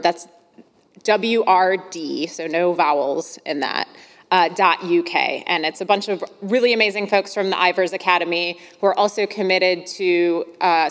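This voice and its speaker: A woman with a Midwestern American accent hosting a podcast, talking in an enthusiastic, chatty way with fillers. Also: lowish voice. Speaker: podcast host. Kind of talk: podcast intro monologue. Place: arts centre venue. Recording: long hall reverb.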